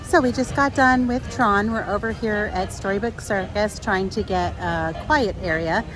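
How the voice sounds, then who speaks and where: A woman's voice: medium pitch, normal speed, music in the background, rough recording. Woman vlogger, casual rambling chat, a little stuffy-nosed at times. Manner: chatty, rambling with fillers. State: stuffy from allergies. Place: theme park, outdoors and at home.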